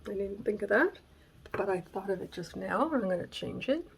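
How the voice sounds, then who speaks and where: A woman with a raspy voice hosting a casual craft tutorial at home, thinking aloud and sometimes dropping to a whisper as she works. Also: medium pitch, animated, brisk. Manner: chatty, thinking aloud while working, drops to whispers. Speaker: craft channel host. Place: home craft room on a gray day. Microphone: camera mic, moves close and away while working.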